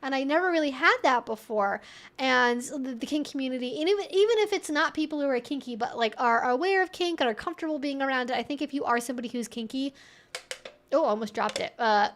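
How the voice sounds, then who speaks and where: A woman's voice: high voice, fast, fairly bright tone. A young woman hosting a livestream, chatting informally and thinking aloud in a rambling way as she answers viewers. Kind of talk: casual livestream chat.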